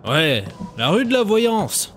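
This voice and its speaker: An actor playing a cryptic French taxi driver in a radio drama, with a French accent and halting, searching speech. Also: male voice, high voice, very animated, a bit bright, faint music behind, full character voice. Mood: helpful, cryptic. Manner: halting English with searching pauses.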